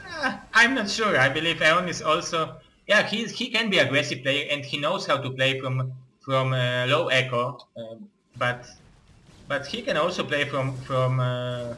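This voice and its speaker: Excitable Russian-accented game caster. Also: male voice, medium pitch, a little hiss or hum, low-quality recording. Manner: excitable, halting non-native phrasing with restarts. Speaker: esports caster and tournament host. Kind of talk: live game commentary.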